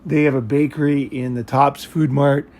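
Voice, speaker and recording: A man's voice: medium pitch, fairly even intonation, moderate pace, a little mellow. An American man chatting casually in a rambling, blunt way, with frequent swearing. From United States. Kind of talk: casual chat.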